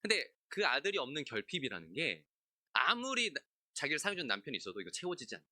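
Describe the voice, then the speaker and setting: A man's voice: a little high, huge pitch swings, fast talker, bright, forceful tone, dry recording, studio quality. A man pastor giving an expository sermon at a midweek service, talking in a conversational way, asking the congregation questions and acting out characters in asides. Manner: acts out biblical characters in asides, laughs often.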